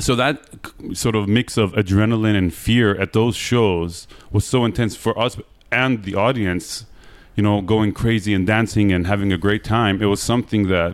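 In a plain, everyday voice, a man speaks at a moderate pace with a fairly low pitch, fairly even intonation and very even loudness. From Iran, partly raised in Eugene, Oregon. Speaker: musician and podcaster. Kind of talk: interview conversation.

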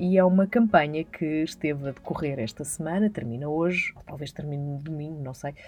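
In a European Portuguese accent, a woman with a dark, mellow tone speaks fairly quickly with lively intonation. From Portugal. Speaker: podcast host. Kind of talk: monologue.

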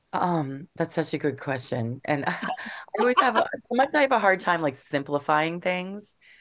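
A woman's fairly low pitch at a moderate pace, with very wide pitch swings. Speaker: poet and author. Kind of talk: interview.

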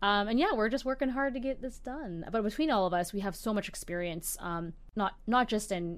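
On a very clean recording with a silent background, a woman with an American accent speaks at a very fast pace with ordinary pitch variation. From Pittsburgh, US. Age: 40s. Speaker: producer, host and actual play performer. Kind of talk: casual interview chat.

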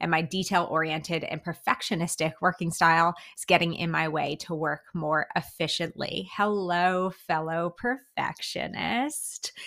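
This woman sounds animated and enthusiastic, with a bright, sharp tone and a fairly low pitch in an American accent. Her pace is fairly slow, yet she hardly pauses. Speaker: user research advisor podcaster. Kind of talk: solo podcast advice monologue. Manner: chatty, animated, enthusiastic.

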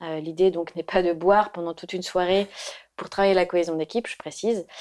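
A woman speaks in a fairly low, dark, mellow voice. Her intonation stays fairly even. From Paris region, France. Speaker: entrepreneur and solo traveler. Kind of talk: casual interview. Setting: at her home.

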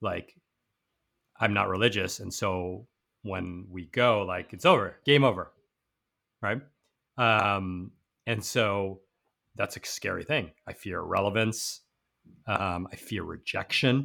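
A man speaks very slowly with long, frequent pauses, his fairly low voice bright and sharp in tone and his pitch varying in an ordinary way. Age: 40s. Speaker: newsletter writer and online creator. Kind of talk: casual interview. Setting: remote call.

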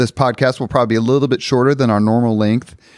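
With an American accent, a man speaks in a medium pitch using ordinary pitch variation and an unremarkable speaking voice, on a very clean recording with a silent background. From Indianapolis, Indiana. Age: 50s. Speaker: podcast host, public relations executive. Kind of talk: interview.

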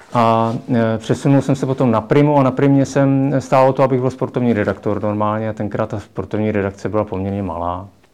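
This man talks at a fairly quick pace with hardly any pauses, his medium pitch moving with ordinary variation. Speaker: digital media expert and cancer survivor. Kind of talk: interview. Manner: halting, many fillers.

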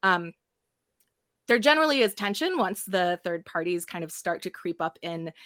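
A woman with an ordinary speaking voice talks fairly quickly at medium pitch with lively intonation. The sound is dry and close with no echo, and the recording is very clean with a silent background. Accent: American. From Minnesota. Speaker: lawyer. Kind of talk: interview.

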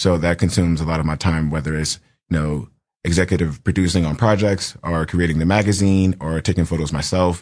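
A man with a New York accent, very deep and low in pitch, at a fairly quick pace with fairly even intonation, over a quiet background. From New York, Queens. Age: 30s. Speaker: photographer. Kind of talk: casual chat. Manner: halting.

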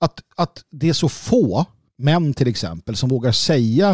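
Speech unfolds very slowly in a very clean recording, with a silent background. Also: man. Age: 40s. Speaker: podcast host. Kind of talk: monologue commentary. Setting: home recording by a fireplace.

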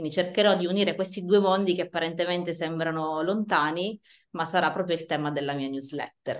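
A woman with a fairly low voice talks with fairly even intonation. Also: fairly quick pace. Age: 40s. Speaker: entrepreneur, former lawyer. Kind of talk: interview. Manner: halting, with fillers and repetitions.

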